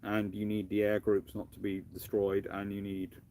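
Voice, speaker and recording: In a lowish, warm voice, this man from the United Kingdom speaks monotonously at a moderate pace. He's a history lecturer hosting a laid-back live question-and-answer stream, rambling and restarting his sentences.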